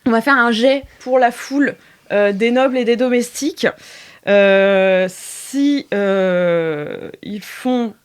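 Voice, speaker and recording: A woman's voice: fairly high pitch, slow, clean tone. A woman narrating as game master of an improvised tabletop game, hesitant and full of filler sounds. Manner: hesitant, many filler sounds, laughs often.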